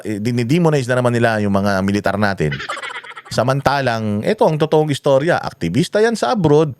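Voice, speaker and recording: A man's voice: lowish voice, darkish tone, a little hiss or hum. A man from the Philippines giving casual political commentary in a mocking tone, swearing often and firing off rhetorical questions. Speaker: commentary vlogger.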